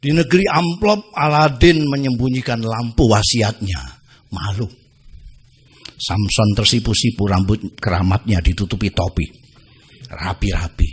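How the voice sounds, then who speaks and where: Low husky guy doing a theatrical poem reading, slows way down, drops real quiet. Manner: theatrical, slow drawn-out lines, sudden drops to near whisper. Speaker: poetry reciter. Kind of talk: dramatic poetry recitation.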